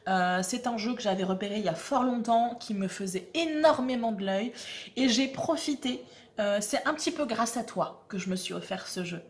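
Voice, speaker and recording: A woman's voice: a little high, lively intonation, moderate pace. A woman, hosting a tarot channel and presenting a deck in a chatty, self-mocking way with many fillers. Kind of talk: casual presentation to camera.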